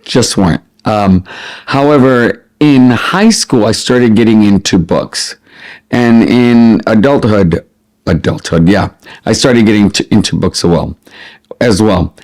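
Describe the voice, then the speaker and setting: A middle-aged man chatting casually as a vlogger, expressive and prone to wandering off on tangents as he answers questions. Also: lowish voice, unhurried. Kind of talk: casual chat to camera, answering listed questions.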